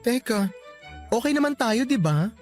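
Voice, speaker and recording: A man's voice: very high voice, big pitch swings, moderate pace. An actor playing a flamboyant, exasperated gay young father in a radio drama, sassy and theatrical, with music underneath. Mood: exasperated, defensive. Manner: campy, theatrical, bantering.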